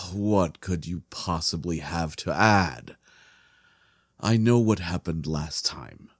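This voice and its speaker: Weary monarch for fantasy audio drama, male actor: slow, firm, dismissive courtly speech in a very dry recording. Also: low voice, dry recording, full character voice. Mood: weary, exasperated.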